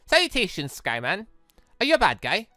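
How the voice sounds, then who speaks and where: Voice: medium pitch, huge pitch swings, a little fast, bright, forceful tone, no room sound, clean studio sound, faint music behind. A narrator voicing a cheerful, polite young robot girl in a visual novel, speaking in a chirpy, formal, matter-of-fact way.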